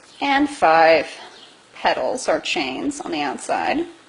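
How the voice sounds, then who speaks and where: Speaking at a very slow pace, a woman's voice swings very widely in pitch, with noticeable background noise behind her. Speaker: craft tutorial maker. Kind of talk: tutorial. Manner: slow, demonstrative.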